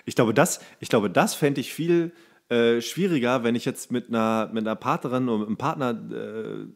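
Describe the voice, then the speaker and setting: Male podcast co-host, mid-pitched, casual and slangy, an animated comic storyteller who acts out quotes. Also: normal speed, creaky. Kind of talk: casual comedic podcast chat.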